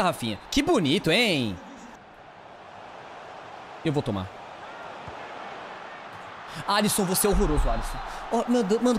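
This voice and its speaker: A man with a Brazilian Portuguese accent doing live gameplay commentary for a football video game. He yells at his players and talks in casual slang. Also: sits high, noisy background. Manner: excitable, shouts at players, slangy banter. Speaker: gaming streamer.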